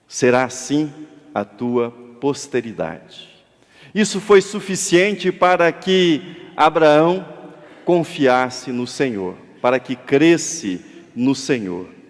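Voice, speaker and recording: A man at a fairly high pitch, very slow with long, frequent pauses, lively intonation, and noticeable background noise. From interior of Brazil (countryside, not São Paulo city). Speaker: pastor. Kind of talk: sermon. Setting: church.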